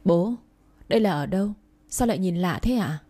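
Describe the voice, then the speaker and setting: A woman voicing a grieving young girl who shouts and sobs at the adults around her. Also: fairly low pitch, animated, moderate pace. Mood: upset. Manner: pleading, crying outbursts.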